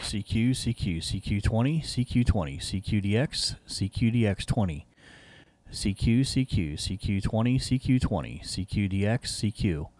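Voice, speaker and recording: Male radio hobbyist, lowish voice, methodical call-sign delivery and easy contact talk, slight hiss behind. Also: animated, a little slow, darkish tone. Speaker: amateur radio operator. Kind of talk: ham radio calls and casual contact. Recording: faint background radio hiss. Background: faint hiss.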